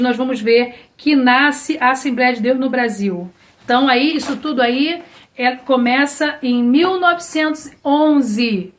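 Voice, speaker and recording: A Brazilian Portuguese-speaking woman teaching a church Bible lesson in a conversational way, with frequent fillers and restarts. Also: high-pitched. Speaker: Sunday school teacher.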